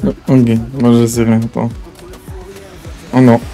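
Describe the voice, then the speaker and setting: A man's voice: medium pitch, completely flat delivery, slow, mellow, soft background music. A man chatting casually while playing an online roleplay game, slangy and joking. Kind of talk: casual gaming banter.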